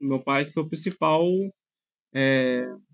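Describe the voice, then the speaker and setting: Ordinary pitch variation marks the fairly slow speech of a man. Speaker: film and TV editor. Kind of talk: interview. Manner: halting.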